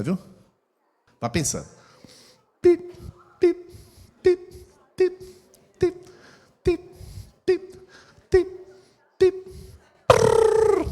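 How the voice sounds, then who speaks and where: A man's voice: fairly high pitch, slightly rough. A middle-aged man preaching a sermon as pastor, acting out scenes with sound effects. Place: church hall. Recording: long hall reverb.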